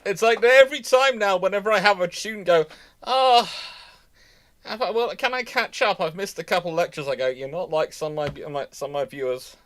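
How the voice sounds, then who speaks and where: Higher-voiced man, rambling livestream host. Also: a bit bright. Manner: halting, rambling, repeats words. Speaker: host of a live history question show; history lecturer. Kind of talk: casual livestream chat.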